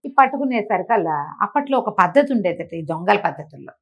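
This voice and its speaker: A woman with a medium-pitched voice tells a children's moral tale in a very animated, brisk, conversational way. She acts out the dialogue and explains as she goes, adding asides and rhetorical questions.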